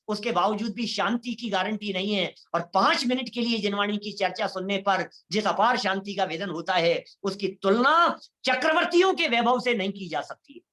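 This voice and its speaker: A man's voice: sits high, bright, forceful tone. A man giving a devotional Jain sermon, addressing listeners as "bhai sahab" and acting out quoted voices. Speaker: Jain lecturer. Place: online lecture series.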